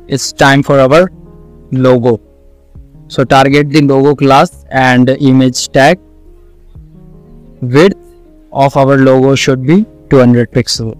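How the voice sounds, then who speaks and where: Slow, clear South Asian man teaching. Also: medium pitch. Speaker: coding tutorial instructor. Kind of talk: screen-recorded tutorial, explaining step by step.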